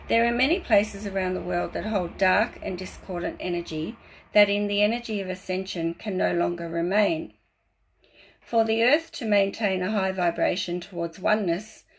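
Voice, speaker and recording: A woman with a soft voice hosting a spiritual livestream, talking gently and rambling, with many fillers, and now and then reading aloud from her newsletter. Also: on the low side, rough recording. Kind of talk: casual spiritual talk to live viewers, reading from her newsletter.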